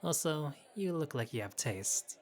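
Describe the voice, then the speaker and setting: A man's voice: a little high, lively intonation, a little slow. A man playing a flirty, easygoing bartender who teases and chats with a patron in an audio roleplay. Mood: playful, inviting. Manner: playful, teasing, casual. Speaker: bartender character. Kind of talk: intimate audio roleplay, conversational acting.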